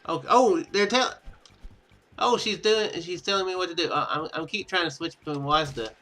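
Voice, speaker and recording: Bright-voiced man doing casual gaming commentary. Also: a little high, normal speed. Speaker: gaming video host. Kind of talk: casual let's-play commentary, reading game text aloud.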